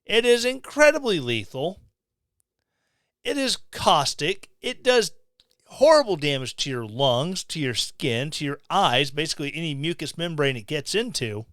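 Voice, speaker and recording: Slow, sarcastic middle-aged man ranting. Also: fairly high pitch, sing-song, fairly bright tone, no room sound, clean studio sound. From Missouri, USA. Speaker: podcast host. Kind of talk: opinion commentary. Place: small home room. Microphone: studio mic on stand, close.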